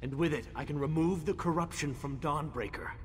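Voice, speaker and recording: An actor playing a determined young warrior companion who speaks earnestly and urgently in a video game. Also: male voice, on the high side, brisk, a little hiss or hum, lightly acted. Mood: awed. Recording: long reverb with game music.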